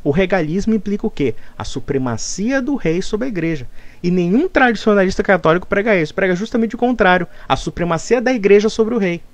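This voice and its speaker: Man, fairly high voice, lively lecturing rebuttal, dry close sound. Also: a little fast, dry recording. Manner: argumentative, lecturing. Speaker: commentator. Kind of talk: monologue rebuttal.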